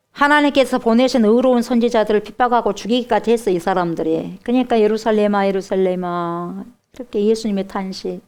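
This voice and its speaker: A woman's voice: mid-range voice, a little mellow. Emphatic woman pastor with a Jeolla accent. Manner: emphatic preaching, direct questions to the congregation. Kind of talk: sermon.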